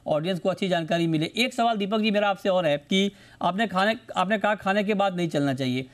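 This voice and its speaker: High-pitched guy hosting a tv health panel, long polite questions, calls everyone sir. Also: a little fast. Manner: asks long questions, addresses guests as sir. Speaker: TV show host. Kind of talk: studio panel interview.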